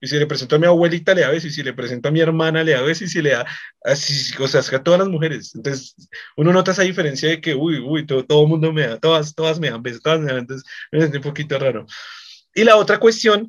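Podcast host, young Colombian man, slightly high voice, rambly storyteller, dull lo-fi audio. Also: quick pace. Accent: Colombian Spanish. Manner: rambling, repeats words, chuckles often. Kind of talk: casual anecdote telling.

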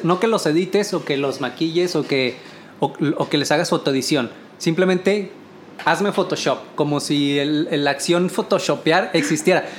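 A designer with a northern Mexican accent and a somewhat high voice for a man tells stories in a loose podcast chat. He explains at length, often circling back and restarting his phrases. Faint hiss sits behind him. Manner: explains at length, with frequent restarts and light laughter.

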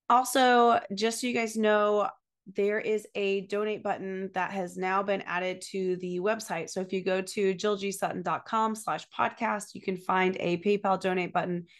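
A woman hosting a podcast, her voice worn down by a summer cold, talking in a chatty, informal way with many fillers. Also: medium pitch. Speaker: podcast host. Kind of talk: podcast intro and interview.

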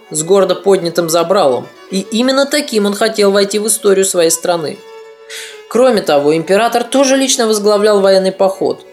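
A podcast narrator reading a scripted history story in a steady, even manner. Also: medium pitch.

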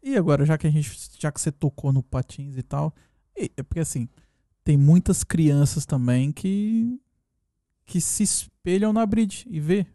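A man co-hosting a casual chat, speaking gently and earnestly. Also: fairly high pitch, a little slow, dry recording, clean studio sound. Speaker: podcast co-host.

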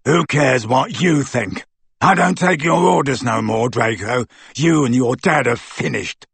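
Man acting a thuggish, slow-witted teenage henchman, surly. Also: lowish voice, very animated, breathy edge, dry recording, pitched below the performer's own voice, heavily acted. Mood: surly defiance. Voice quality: soft, dull-toned. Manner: ungrammatical, surly, belligerent.

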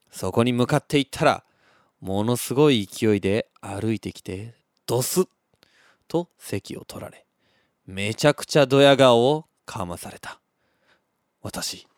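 A young man with a fairly low voice hosts a casual chat podcast, reading listener messages and telling lively stories with sound effects. He is chatty and laughs often, and the recording is dry with clean studio sound.

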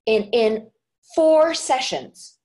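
A woman's voice: on the high side, sing-song, extremely slow, mellow. A woman dialect coach and actress, talking casually in an interview with many restarts and fillers.

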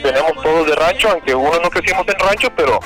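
A Mexican man speaks as a radio guest in a somewhat high voice, hesitant and nervous, stopping and restarting with fillers. Soft music plays faintly behind him. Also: fast, low-quality recording. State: nervous on air. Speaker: rodeo promoter, interview guest. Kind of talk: radio interview.

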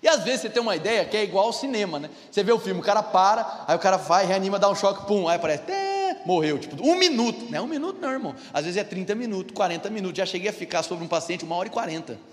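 A man's voice: high voice, animated, racing, few pauses, big-room sound. A man in his thirties with a Brazilian Portuguese accent, preaching a sermon as a pastor and telling a personal story, often calling out to the congregation for an amen. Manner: storytelling, often calls "amém?" and "irmão" to the congregation. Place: church hall.

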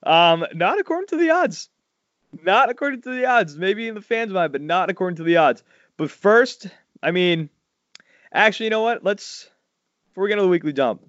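A man, hosting a casual podcast chat and telling stories loudly, his voice jumping up high when he gets worked up. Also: a little fast, dry recording. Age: 40s. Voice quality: loud voice. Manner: animated storytelling, swings high when excited. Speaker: podcast host. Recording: dull lo-fi dry sound.

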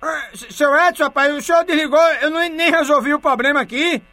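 A man's voice: extremely high pitch, fairly quick, pushed and bright, no room sound, soft background music. A man hosting a radio prank call, talking in a pleading, folksy way. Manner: pleading, folksy, keeps saying "rapaz".

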